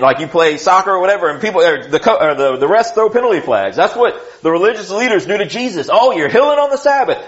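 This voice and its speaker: A man teaches through scripture in a sermon, moving between reading verses and chatty asides. His pitch swings widely as he talks, sitting a little high for a man. The recording sounds dull and lo-fi. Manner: conversational, animated, with asides and restarts. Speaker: preacher.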